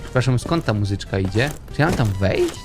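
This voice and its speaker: Young man, let's play commentary, joking with game characters, lively swooping pitch, faint game music behind. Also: a little fast. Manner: playful, jokey, chatty with game characters. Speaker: gaming YouTuber.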